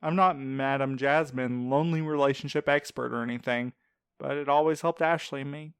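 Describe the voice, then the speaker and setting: A man's voice: mid-range voice, fairly even intonation, brisk, fairly bright tone, clean tone, no echo, lightly acted. A man playing a teasing but supportive friend and coworker in a fiction podcast, with wordy, sarcastic quips. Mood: wry, skeptical. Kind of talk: fiction podcast audio drama acting.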